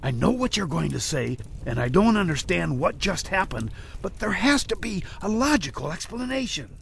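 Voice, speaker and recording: A man's voice: high voice, very animated, moderate pace, gravelly, slight background noise, pitched above the performer's own voice, full character voice. A man voicing an anxious, bewildered man in a scary story reading. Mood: anxious, disbelieving. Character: anxious, bewildered man named Sam on an island.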